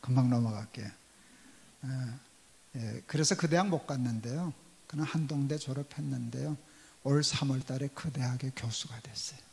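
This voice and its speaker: Pastor preaching in a reverberant church. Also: male voice, mid-range voice, normal speed, vocal fry, a little mellow. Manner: storytelling, acting out quoted dialogue. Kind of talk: sermon. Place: church sanctuary. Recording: long church hall reverb.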